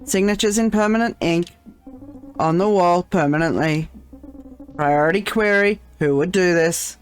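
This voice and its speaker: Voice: mid-range voice, a little slow, soft background music. A player reading aloud as a fussy robot janitor that glitches, stalls on errors, and talks about itself in the third person. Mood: prim. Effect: glitching robot voice repeating error. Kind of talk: reading game dialogue aloud.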